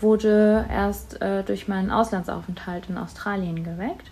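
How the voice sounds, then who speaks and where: Noticeable background noise is present throughout. The voice shows ordinary pitch variation and a fairly slow pace. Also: woman. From Germany (Friesland area), Sri Lankan Tamil parents. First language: Tamil (speaking German). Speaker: school teacher. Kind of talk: interview. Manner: frequent filler sounds (ähm).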